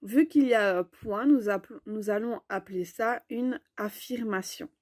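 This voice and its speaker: A woman teaching a grammar lesson in a slow, clear, explanatory way. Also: medium pitch, a little mellow, dry recording, studio quality.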